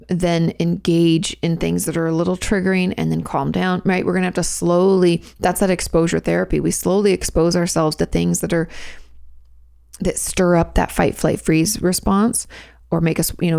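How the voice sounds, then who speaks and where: Woman therapist-host, low gravelly tone, gentle and reassuring, dry recording. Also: level tone, moderate pace, no echo. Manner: gentle, reassuring, repeats phrases while thinking. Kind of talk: advice podcast answering listener questions.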